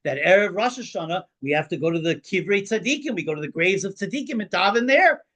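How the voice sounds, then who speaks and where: A shrewd, stern old-world Hasidic rabbi, as a man tells it, pointed and cutting, his voice sitting fairly high. He swings from calm reasoning to outraged rebuke. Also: fast. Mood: earnest.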